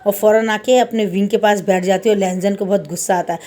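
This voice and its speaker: A woman's voice: mid-range voice, steady tone, fast, dark tone. A woman casually retelling a fan-fiction story in a loose, chatty way, often repeating "he says" between lines.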